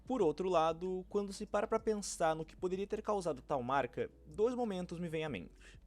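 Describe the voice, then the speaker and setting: Homem brasileiro de voz bem aguda. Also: male voice, high-pitched, lively intonation, normal speed, darkish tone. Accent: Brazilian. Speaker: YouTube fan-theory narrator. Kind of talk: scripted narration.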